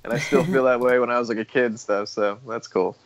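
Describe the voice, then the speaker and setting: A man's voice: mid-range voice, fairly even intonation, fast, dry recording. A man speaking casually as a podcast guest, on a dull, lo-fi recording. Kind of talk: casual chat. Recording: dull, lo-fi voice connection.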